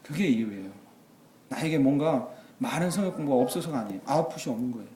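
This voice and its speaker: Male pastor, mid pitch, animated sermon delivery, roomy echoing sanctuary. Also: fast, slight background noise. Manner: animated, swings from quiet asides to loud exclamations. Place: church sanctuary. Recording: echoey church hall.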